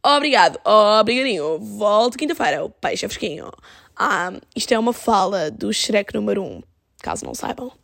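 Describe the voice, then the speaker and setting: A young woman with a European Portuguese accent hosting a casual solo podcast, animated and dropping in English phrases. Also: mid-range voice, normal speed, creaky, dry recording, studio quality. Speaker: podcast host.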